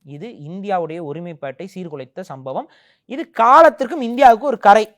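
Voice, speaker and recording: A man's voice: high voice, sing-song, moderate pace, a bit bright. A man giving a heated opinion in an interview, speaking with indignant force that keeps rising into emphatic outbursts.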